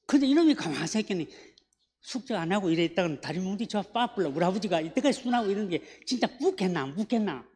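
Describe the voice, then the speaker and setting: A man's voice: high voice, big pitch swings, fast, a little mellow. A man with a Gyeongsang accent preaching a sermon as a pastor in a church, often asking the congregation questions. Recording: echoey church hall.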